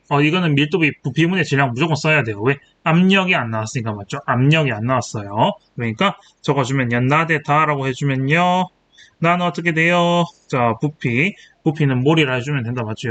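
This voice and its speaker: Male tutor in his twenties, exam walkthrough, slightly higher pitch, constant check-ins, faint hiss on the recording. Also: a bit bright. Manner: checks in constantly with rhetorical questions; self-correcting, thinking aloud while writing. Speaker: chemistry tutor. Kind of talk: exam problem walkthrough lecture.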